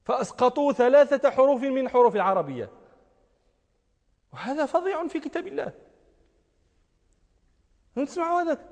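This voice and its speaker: A man lectures as a religious scholar, his voice sitting very high for a man. He speaks emphatically, circling back to repeat phrases and pressing his listeners with rhetorical questions. A long reverb trails his words around a large hall. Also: big pitch swings, fairly quick, long pauses, a little mellow. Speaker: religious scholar teaching a lesson. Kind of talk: lecture on recitation and jurisprudence.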